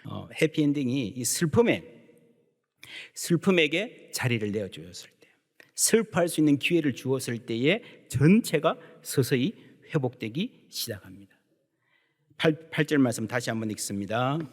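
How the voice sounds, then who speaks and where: Animated male pastor preaching in a reverberant church. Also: mid-range voice, normal speed. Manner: animated preaching that acts out quoted voices. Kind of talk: sermon. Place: church sanctuary. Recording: long church hall reverb.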